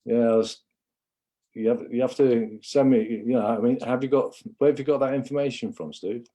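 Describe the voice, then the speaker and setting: A man's voice: mid-range voice, brisk, dark tone. A man from England giving a rambling, impassioned livestream monologue, often calling viewers "guys".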